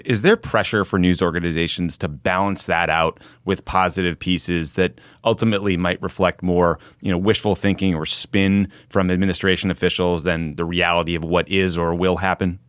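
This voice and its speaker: A deep-voiced man co-hosting a podcast asks a guest a measured, wry question. The sound is dry and close to the mic. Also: no echo. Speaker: podcast co-host. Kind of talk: interview questions.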